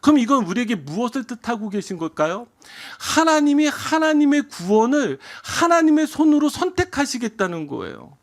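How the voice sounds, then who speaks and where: A man preaching a Sunday sermon as a pastor, asking the congregation questions and answering them himself, and slowing down when he quotes scripture. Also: very high voice, sing-song. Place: church sanctuary.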